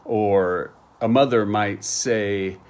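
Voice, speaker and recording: An American man, middle-aged, teaching a slang lesson with slow, patient explanations and examples. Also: on the low side, fairly even intonation, darkish tone.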